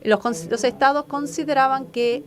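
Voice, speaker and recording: A woman with a somewhat high voice works as moderator and interpreter at a conference. She introduces the guest, then renders his talk in a measured way, often correcting herself as she goes.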